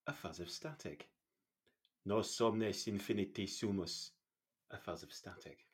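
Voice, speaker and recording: A man speaks in a low, husky register. He sounds casual and plain, as someone would when chatting or reading out short cues at a table read. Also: measured pace.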